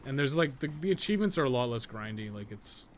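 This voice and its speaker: A fast-talking man at medium pitch co-hosts a podcast while playing a game, his casual commentary full of rambling, thinking aloud and offhand swearing. There's clear steady noise behind him.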